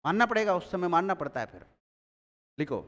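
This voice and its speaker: A man's voice: high voice, very animated, brisk, fairly bright tone, in a large hall. A man teaching a grammar class, quizzing his students and repeating key words as they take notes.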